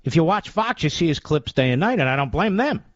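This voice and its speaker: A man's voice: a little high, very animated, fairly quick, no echo. A man hosting a talk radio show, delivering a sarcastic, combative opinion monologue. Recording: dull lo-fi dry sound.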